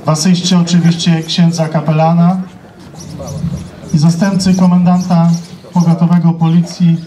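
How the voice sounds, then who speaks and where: Brief: male ceremony announcer, formal scripted reading, highish mellow voice, outdoor PA. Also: level tone, moderate pace. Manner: formal reading of lists of names. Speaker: master of ceremonies. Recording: echoing outdoor PA, distant, faint noise.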